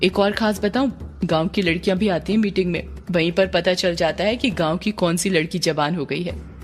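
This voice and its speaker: A woman voicing a cheerful, cheeky young man who gets excited about a village meeting. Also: lowish voice, normal speed, faint music behind, lightly acted.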